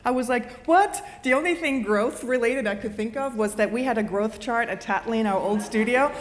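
A fairly high-voiced woman, speaking from a conference stage. Her talk is lively and self-deprecating, and her voice rings out in a large hall with a long reverb. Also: moderate pace. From Switzerland. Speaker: keynote speaker.

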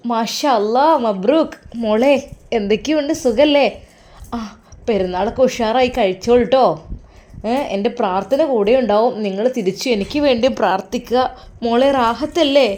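A woman voicing a warm older Arab lady who speaks slowly and affectionately, full of blessings. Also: on the high side, lightly acted. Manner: slow, affectionate, fond of blessings.

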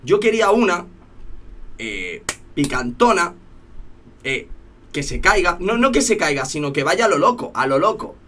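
A man's voice: sits high, big pitch swings, moderate pace, long pauses, sharp tone. A young man from in casual chat with his stream viewers, rambling and restarting his sentences as he reads chat aloud.

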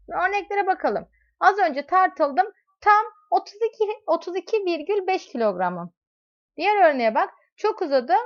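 A woman teaching a math lesson, explaining with everyday examples and asking her students questions as she goes. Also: very high-pitched. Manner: talks directly to students in second person. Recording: dull lo-fi recording.

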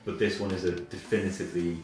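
A man's voice: low-pitched, flat delivery, quick pace, a little mellow. A young man with an English accent chatting casually, a bit hesitantly, as an interviewee while playing a video game. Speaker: interviewee, car owner. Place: living room, indoors. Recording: echoey room, distant mic, faint music.

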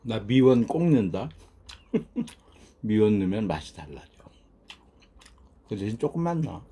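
A man's voice: lowish voice, sing-song, unhurried, warm tone, slight background noise. Man talking with his mouth full. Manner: folksy, chatty, laughs between remarks. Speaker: mukbang host. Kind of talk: casual eating-show chat.

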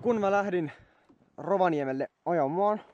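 A man's voice: high voice, a little mellow, no room sound, highs cut off. A worn-out young man vlogging from a moped trip, chatting casually to the camera and swearing often as he rambles on. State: exhausted. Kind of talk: casual travel vlog to camera.

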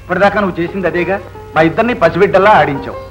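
An actor playing a kindly middle-aged gentleman who speaks to a boy in a gentle, fatherly way. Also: high voice, racing, lo-fi sound, faint music behind, lightly acted. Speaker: visiting wealthy father figure. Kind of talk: 1970s Telugu film acting.

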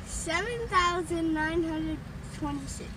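A woman speaking softly and slowly from the back of a car. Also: very high voice. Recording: distant voice with road noise.

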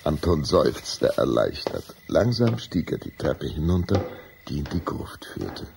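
A man narrating a children's radio play as a measured, solemn storyteller with a raspy voice. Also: a bass voice, wildly swooping pitch, noisy background, heavily acted. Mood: measured, eerie. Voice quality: raspy, gravelly.

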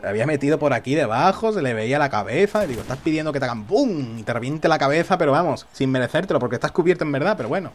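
A man commentates his own gameplay, his voice sitting a little high and swinging up and down in pitch. He jokes as he plays and taunts the enemies on screen. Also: expressive, rapid-fire, few pauses. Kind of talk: live gaming commentary.

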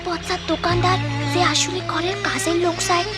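An eager, chatty cartoon girl with a very high pitch. Loud music plays behind her. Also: steady tone, normal speed. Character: bright, brave young village girl. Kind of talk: cartoon voice acting.

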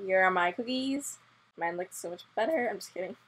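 A woman's voice: medium pitch, fairly quick, fairly bright tone. A woman hosting a gaming video, chatting casually and playfully teasing her co-player. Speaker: gaming channel host. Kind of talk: casual game commentary.

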